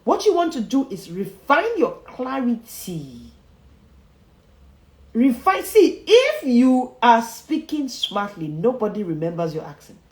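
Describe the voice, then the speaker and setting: A woman's voice: a little high, huge pitch swings, slow, a little mellow. A woman, a speech coach teaching viewers emphatically, repeating her key phrases and often chuckling. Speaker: public speaking coach. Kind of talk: motivational livestream teaching. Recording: roomy echo.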